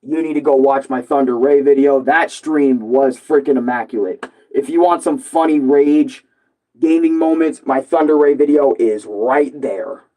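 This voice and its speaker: A young man with a hoarse voice, a gaming streamer ranting casually and loosely to his viewers, swearing and rambling with lots of fillers. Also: medium pitch, normal speed, mellow, poor audio.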